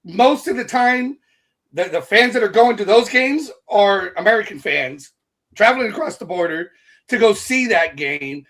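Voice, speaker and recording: A man's voice: high-pitched, animated, moderate pace, fairly bright tone. A man co-hosting a casual sports chat, talking in a rambling way with repeated words.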